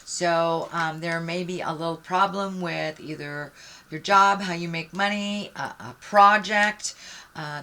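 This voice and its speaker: A woman's voice: fairly low pitch, pushed and bright. A woman giving an unscripted tarot reading as host, speaking reflectively and encouragingly, straight to the listener. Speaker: tarot card reader, host.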